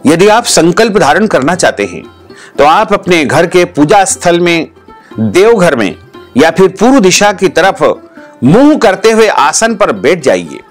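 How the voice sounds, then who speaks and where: A male Hindu priest with a high, very animated voice gives devotional ritual instructions. He moves between plain guidance and long chanted Sanskrit vows. Faint instrumental music plays beneath him. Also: measured pace. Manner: gives step-by-step instructions to viewers.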